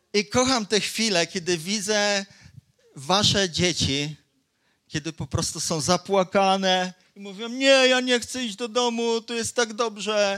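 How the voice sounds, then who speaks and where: Very slow speech in a bright, sharp tone carries ordinary pitch variation. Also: man, high pitch for a man. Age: 50s. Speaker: pastor. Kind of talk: sermon. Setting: church hall with congregation. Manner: animated.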